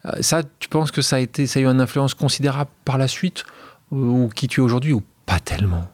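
A man's voice: medium pitch, lively intonation, fast talker, no echo. A man hosting an interview, asking long, leading questions in a talkative way. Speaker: radio/podcast host. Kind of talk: interview conversation.

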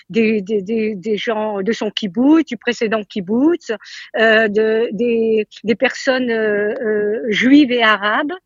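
Woman, phone line breaking up, dull lo-fi sound, husky voice, halting speech. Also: on the high side, dry recording. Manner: halting, repeats words often. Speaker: peace activist, interview guest. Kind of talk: live phone interview. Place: at a funeral just after the ceremony.

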